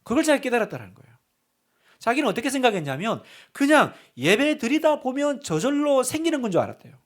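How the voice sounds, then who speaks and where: Lively high-pitched male pastor preaching. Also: quick pace. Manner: emphatic preaching, addresses congregation directly with questions. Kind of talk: sermon. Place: church sanctuary.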